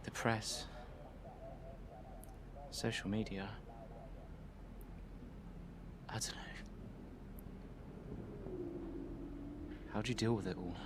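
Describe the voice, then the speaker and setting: An actor playing an anxious young racing driver who speaks softly and hesitantly in a video game cutscene. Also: male voice, lowish voice, steady tone, moderate pace, noisy background, lightly acted. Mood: uneasy. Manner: hesitant, soft-spoken.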